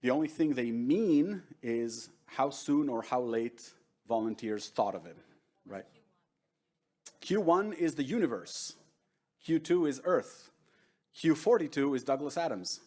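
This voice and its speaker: A middle-aged man, a native Hebrew speaker, lectures to a seated audience in a large conference room, speaking into a lectern microphone. His delivery is loose and conversational, and he keeps checking in with the listeners as he explains. His pitch sits in an ordinary middle range. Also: animated, measured pace, warm tone. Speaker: workshop presenter.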